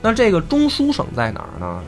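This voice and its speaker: A man's voice: high voice, wildly swooping pitch, a little fast, soft background music. A man with a Beijing accent casually telling history, swearing often and acting out the dialogue himself. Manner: swearing, slangy, acts out dialogue. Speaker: podcast host.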